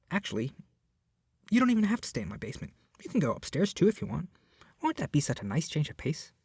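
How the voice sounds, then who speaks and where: A man playing a lovestruck, clingy young kidnapper in an intimate ASMR roleplay, speaking softly and earnestly with gushing, coaxing tenderness. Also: mid-range voice, no echo, studio quality. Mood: gentle, hopeful. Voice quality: soft, breathy, often dropping to a whisper. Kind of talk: ASMR roleplay, intimate second-person acting. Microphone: close microphone, dry.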